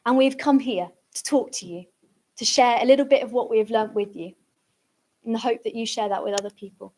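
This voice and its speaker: A woman's voice: a little high, fairly quick, darkish tone. A woman speaking earnestly at a commemorative event, reflective and using emphatic repetition. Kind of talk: reflective public talk.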